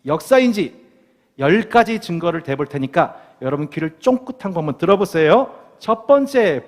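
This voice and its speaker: A male pastor preaches with a fairly high, lively voice that swings up and down as he quizzes the congregation. His delivery is playful and animated. The sound carries a long church-hall reverb from a live service recording. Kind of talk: sermon. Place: church sanctuary.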